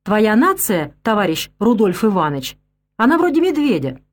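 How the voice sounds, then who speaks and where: A woman voicing a blunt older man partisan with a thick, husky voice, lecturing sharply. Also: on the high side, very animated, moderate pace, pitched above the performer's own voice. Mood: blunt scolding.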